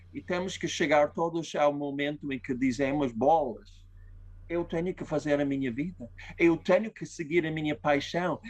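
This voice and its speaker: Speaking at a fairly slow pace, a man with an unremarkable speaking voice and fairly high pitch shows ordinary pitch variation. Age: 60s. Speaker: writer. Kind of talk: interview conversation.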